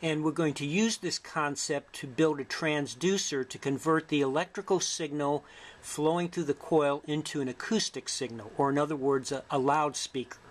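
A middle-aged man narrating an instructional demonstration as a lecturer, in a measured, explanatory way. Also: on the high side. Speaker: physics lecturer. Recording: faint background noise.

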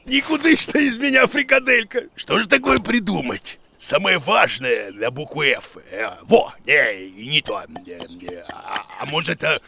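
A man's voice: a little high, lively intonation, a little slow, creaky, few pauses, bright, forceful tone, heavily acted. A man voicing a boastful, stubborn, bumbling bearded creature who teaches in a children's educational cartoon, blustering and grunting as he hesitates. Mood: musing.

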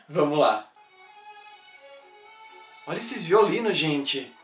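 A man's voice: a little high, animated, very slow, fairly bright tone. A man hosting a reaction video, gushing and exclaiming over songs as he listens. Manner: gushing, exclamatory, easily thrilled. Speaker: YouTube reaction host. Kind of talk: excited album reaction. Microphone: computer setup at home. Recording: echoey room with faint music. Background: music playing faintly.

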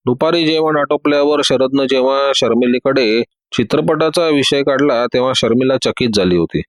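A man's voice: medium pitch, moderate pace, no echo. Man narrating a detective story. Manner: steady storytelling. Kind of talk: scripted audiobook narration.

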